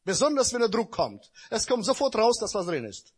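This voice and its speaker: A man's voice: high voice, big pitch swings, a little fast, husky. A man preaching a sermon, speaking emphatically and addressing the congregation directly.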